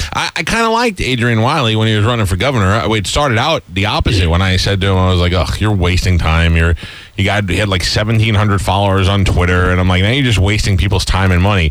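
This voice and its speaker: With an American accent, a man rattles along at a very fast pace in a fairly low pitch, hardly pausing, his loudness very even over noticeable background noise. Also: ordinary pitch variation. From New York. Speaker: radio host. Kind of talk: casual chat.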